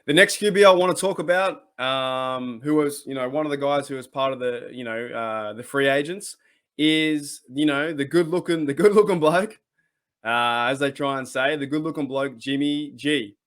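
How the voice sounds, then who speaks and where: A man's voice: medium pitch, normal speed, a bit bright, clean tone. A man with an Australian accent hosting a sports talk channel, chatting casually and rambling with many restarts. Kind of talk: casual solo commentary.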